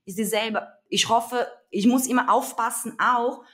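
At a measured pace and with a sharp tone, this slightly high-pitched young Brazilian woman is an activist being interviewed. Her Brazilian Portuguese accent comes through as she speaks earnestly and emphatically, frequently hunting for the right word.

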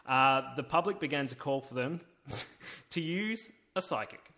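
Aussie bloke telling a story on a podcast, voice goes up and down a lot, laughs easily. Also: male voice, medium pitch, unhurried. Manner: laughs easily, animated, swears casually. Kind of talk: casual storytelling chat.

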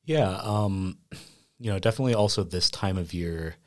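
A man's voice: deep voice, normal speed, a little mellow. A young man who went to school in Iceland, chatting reflectively on a podcast with many "you know" fillers. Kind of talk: casual conversation.

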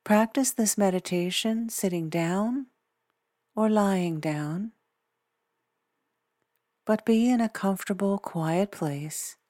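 A woman leading a guided meditation in a soothing, deliberate way, pausing often between short phrases. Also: mid-range voice, dry recording, studio quality. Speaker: meditation guide, podcast host. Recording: background music. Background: soft instrumental music.

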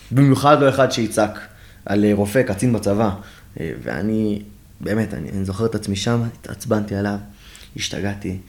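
A young man, a project founder, telling a personal story in an interview, acting out the dialogue and going quiet and emotional at the hard parts. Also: lowish voice. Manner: animated storyteller who acts out quoted dialogue, dropping to a hushed, emotional tone.

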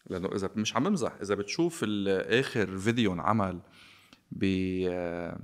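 Speaking briskly in a voice that sits low, this Lebanese-accented guest commentator riffs on politics with casual sarcasm and animation, dropping English phrases into his Arabic.

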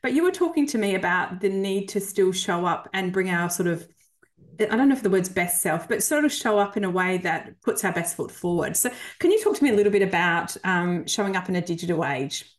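A woman's voice: fairly low pitch, animated, fairly quick. A woman, a podcast host and coach who talks in an enthusiastic, chatty way and laughs often. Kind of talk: podcast interview.

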